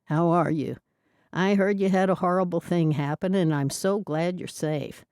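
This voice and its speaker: A woman voicing a gentle, earnest Amish young man in an audiobook, in a soft-spoken manner. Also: lowish voice, normal speed, no echo, studio quality, lightly acted.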